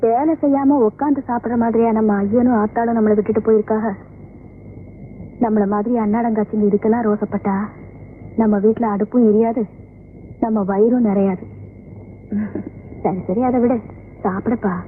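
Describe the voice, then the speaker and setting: An actress playing a poor village woman who gently scolds and coaxes her younger brother to eat. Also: a little high, steady tone, normal speed, long pauses, a little hiss or hum, close to an everyday voice. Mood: coaxing. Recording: tinny old film soundtrack with music.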